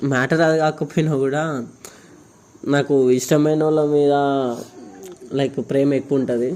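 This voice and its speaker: A young man with a Telangana accent talks at a rapid clip in a rather high but mellow voice. He is earnest and insistent, and he repeats his points while vlogging a heartfelt conversation. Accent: Telangana Telugu. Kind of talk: emotional on-camera conversation.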